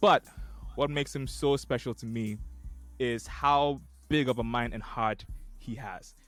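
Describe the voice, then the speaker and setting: Music in the background behind a man talking at a moderate speed. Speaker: podcast host and musician. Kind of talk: podcast interview. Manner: halting, with pauses.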